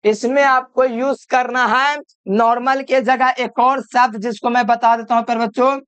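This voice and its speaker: A man's voice: extremely high pitch, little pitch movement, moderate pace, a bit bright, smooth, dry recording, dull audio. A man giving a chemistry video lecture, repeating each point and quizzing the listener with call-and-answer questions. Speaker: chemistry teacher. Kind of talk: classroom-style video lecture.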